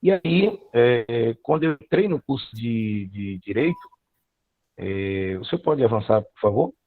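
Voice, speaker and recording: A middle-aged man, giving a formal thesis presentation over a video call, with halting speech and many hesitations. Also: mid-range voice, lively intonation. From Northeastern Brazil. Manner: halting, frequent filler hesitations and restarts. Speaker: law student presenting his thesis. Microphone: computer mic on a video call. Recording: tinny dry video-call audio.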